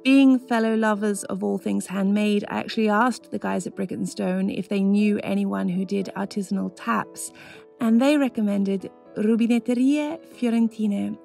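A woman's voice: mid-range voice, steady tone, normal speed, creaky, mellow, soft background music. A woman in her thirties, a lifestyle vlogger from Australia, narrating her home kitchen renovation in a chatty, enthusiastic way and laughing often. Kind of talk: voice-over narration and casual vlog talk.

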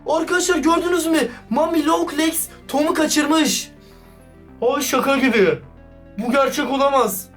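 Man, excitable vlog commentary, slangy, talks to viewers, set back from the mic, music underneath. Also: very high voice, unhurried. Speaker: YouTuber reacting to a chat. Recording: distant mic with background music.

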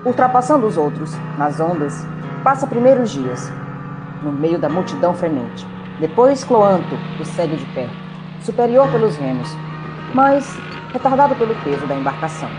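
A woman's voice: fairly low pitch, very animated, moderate pace, music in the background, rough recording. A woman with a Brazilian accent, narrating a scripted tale in a theatrical, playful way.

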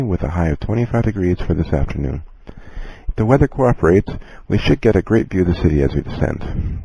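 Casting: calm, courteous airline captain played by a man, very low, mellow voice, measured scripted cabin announcement. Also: vocal fry, husky, heavily acted, rough recording. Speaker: airline captain in a listening lesson.

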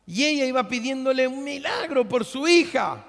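Animated preaching man in a reverberant hall. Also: very high voice, moderate pace, gravelly. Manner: animated preaching, acts out biblical dialogue. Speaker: pastor. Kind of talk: sermon. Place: church hall. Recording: long reverb of a large hall.

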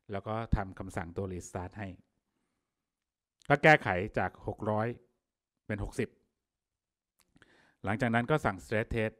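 A man's voice: medium pitch, a bit bright. A middle-aged man presenting a technical workshop, explaining in a casual way with fillers and polite particles. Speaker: workshop speaker.

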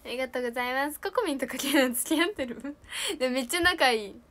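A bubbly teenage girl with a lilt, chatting on a live stream and reading out viewer comments. Her voice sits very high, and she giggles often between lines. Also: quick pace, a bit bright, a little hiss or hum. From Japan. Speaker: idol trainee streamer. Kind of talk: casual live stream chat.

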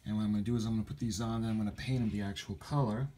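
Guy with a lowish voice doing a casual model building how-to, halting, thinks out loud, bit of background noise. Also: fairly even intonation. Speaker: hobby model builder, video host. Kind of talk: casual hands-on tutorial narration. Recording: noisy handheld home video sound.

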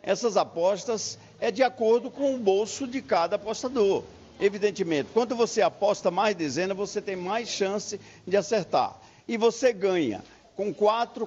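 A man's voice: high-pitched, a little mellow. An older man, president of a lottery federation, chatting upbeat and folksy in a live TV interview inside a busy lottery shop, into a handheld mic. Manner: folksy, upbeat salesman talk. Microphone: handheld reporter mic. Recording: muffled broadcast field audio.

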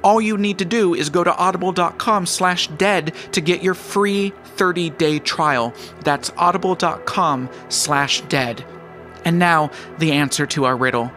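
Podcast sponsor read: male, slightly high pitch, bright forceful tone, light music underneath. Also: measured pace. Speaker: podcast creator reading sponsor message.

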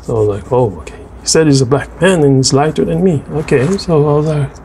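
French canadian guy talking casual over his art video, mellow voice, faint hiss behind, lots of restarts. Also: on the high side, fast, creaky. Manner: hesitant, many restarts and fillers. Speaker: artist narrating a drawing video.

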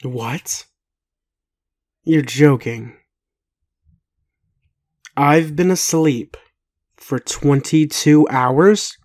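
A man with a fairly high voice plays a sleepy, soft-hearted werewolf in an intimate roleplay. He addresses the listener with halting tenderness, fussing over them as a caregiver while sounding weary and full of doubt.

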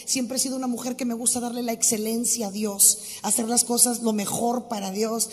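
A woman giving a lively preaching testimony as a Christian singer at a live church event, moving between soft and loud. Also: on the high side, brisk. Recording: live hall with long reverb.

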